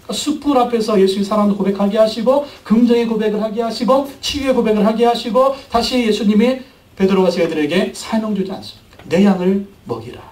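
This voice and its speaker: High-voiced male pastor in a roomy church. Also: fast. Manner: lively, acts out Jesus scolding Peter with humor. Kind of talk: sermon. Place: church sanctuary. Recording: roomy church hall, mic at a distance.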